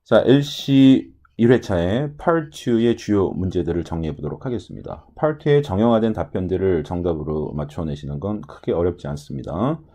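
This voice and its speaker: A man's voice: deep voice, lively intonation, fairly quick, few pauses, warm tone. A man teaching a listening lesson for an English test, explaining answers step by step with many short filler words and spoken pronunciation examples. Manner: filler-heavy lecturing, frequent "ja" and "ye". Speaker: TOEIC listening instructor.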